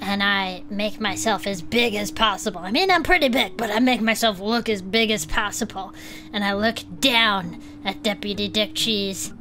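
A woman's voice: medium pitch, normal speed, sharp tone, faint music behind. A woman playing a tabletop game, roleplaying a big tough character.

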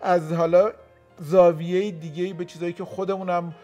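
A man hosting a television book talk show, polite and measured. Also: high-pitched, level tone, mellow, lo-fi sound, soft background music. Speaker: host.

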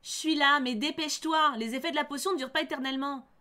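A woman reading out an impatient, energetic young man's lines from a story game in a brisk, scolding way. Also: sits high.

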